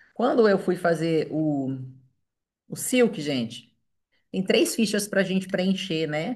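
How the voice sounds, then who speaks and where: In a normal speaking voice, a woman talks fairly slowly at a fairly low pitch. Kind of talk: online religious class. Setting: livestream with chat.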